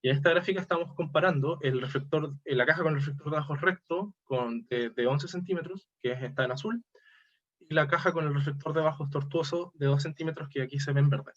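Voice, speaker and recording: A man gives a technical conference presentation over slides, halting and often correcting himself as he goes. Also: on the high side, fairly bright tone, muffled recording. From Chile. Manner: halting, self-correcting, hesitant delivery. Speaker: academic presenter.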